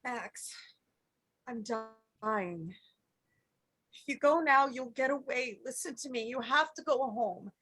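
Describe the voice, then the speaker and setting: An actress plays a dying mother figure in a horror script. She speaks slowly and deliberately in a high voice, tender yet insistent. She stays calm and resolute. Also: slightly rough, heavily acted. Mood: gently insistent. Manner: slow, deliberate, gently insistent. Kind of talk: table read acting of a horror film script.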